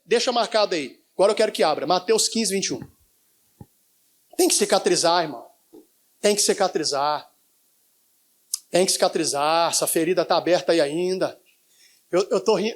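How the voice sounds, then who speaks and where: Pastor guy preaching in church, high voice, keeps going "o quê, igreja?" for them to fill in. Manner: prompts the congregation to finish his sentences. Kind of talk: live church sermon. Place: church in front of a congregation.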